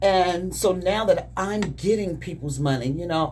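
Fairly slow speech from a woman, amid audible room echo and noticeable background noise. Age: 50s. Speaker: security business owner. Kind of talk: casual interview. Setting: studio.

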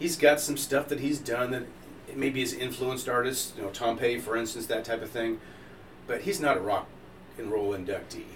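A man talks fairly quickly with ordinary pitch variation while noticeable background noise plays. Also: medium pitch for a man. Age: 50s. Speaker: podcast co-host. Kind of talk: casual chat.

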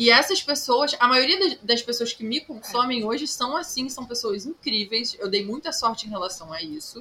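Her voice is high, with a bright, sharp tone, as the woman speaks at a moderate pace with lively intonation. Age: 20s. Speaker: visual artist and art director. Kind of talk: casual chat.

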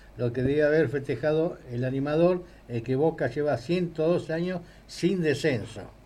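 A man's dark, mellow voice at a fairly slow pace, in a Rioplatense accent. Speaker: football commentator. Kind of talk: casual radio talk.

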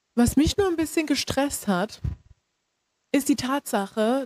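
Woman with lively intonation and a moderate pace, in a dry, close sound with no echo. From Germany, Palatinate (near Ludwigshafen). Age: 20s. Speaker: podcaster and TikTok creator. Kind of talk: casual monologue.

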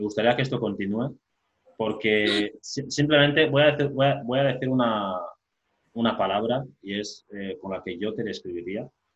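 Here a man talks at a moderate pace. His pitch is medium with ordinary variation. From Equatorial Guinea, Bata. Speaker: podcast host. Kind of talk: interview conversation. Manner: hesitant, many fillers.

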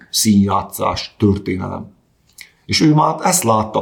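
With an unremarkable speaking voice, a man talks at a fairly low pitch with ordinary pitch variation. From southern Slovakia (Hungarian minority), Bős. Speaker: history teacher. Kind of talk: interview.

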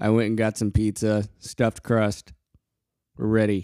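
A man's fairly low-pitched, dark, mellow voice at a moderate pace, flat and monotone in intonation, with a dry, close sound and no echo. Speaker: podcast host. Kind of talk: casual monologue. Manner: breathless, runs out of air mid-sentence.

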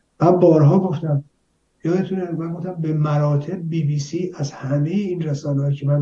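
A man talks at a fairly quick pace in a dark, mellow, somewhat breathy tone. His intonation stays monotone and flat. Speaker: political activist and commentator. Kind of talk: interview.

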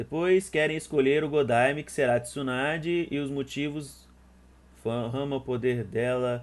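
With ordinary pitch variation, this man's medium-pitched voice moves at a moderate pace. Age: 30s. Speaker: podcast host. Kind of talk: casual livestream chat. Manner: animated.

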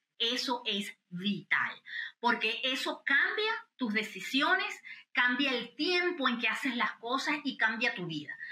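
Her pitch rises and falls very widely. The woman has a high voice and talks at a very slow pace. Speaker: business founder and accountant. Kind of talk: interview.

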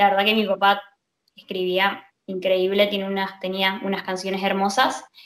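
In a Cuyo Argentine accent, a woman talks at a moderate pace and medium pitch, her intonation monotone and flat. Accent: Argentine Spanish (Cuyo, Mendoza). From Argentina, Mendoza. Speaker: singer-songwriter. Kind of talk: interview.

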